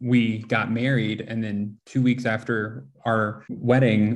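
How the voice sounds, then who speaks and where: With an American accent, a man with a plain, everyday voice speaks at a fairly slow pace in fairly even intonation. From small-town Kentucky, US South. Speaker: YouTube travel creator. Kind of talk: casual interview chat.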